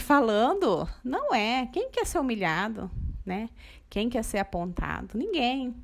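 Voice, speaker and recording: Earnest woman giving a testimony. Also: mid-range voice. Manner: earnest, exhorting, quotes scripture. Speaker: Christian testimony giver. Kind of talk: devotional testimony voice message. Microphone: phone voice message.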